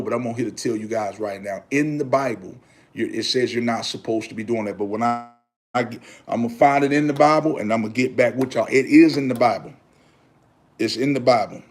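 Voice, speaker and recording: A man in his thirties hosting a casual livestream, talking faith with his viewers. He preaches in an easy, repetitive way and calls out to them as brother and y'all. His voice sits at an ordinary middle pitch. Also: darkish tone. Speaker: livestream host.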